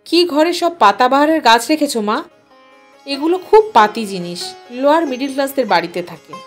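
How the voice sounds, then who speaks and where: Opinionated son, early twenties, audio story, bossy, breezy, snobbish, drops English words woman reader plays him, rather high pitch, music. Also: animated, moderate pace. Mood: disdainful.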